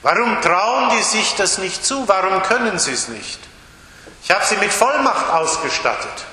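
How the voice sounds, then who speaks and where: A man's voice: high-pitched, sing-song, normal speed, bright, forceful tone, voice pushed up, full character voice. A man voicing an exasperated religious teacher. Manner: exasperated, emphatic. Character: disappointed, impatient male religious teacher. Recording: echoey church hall.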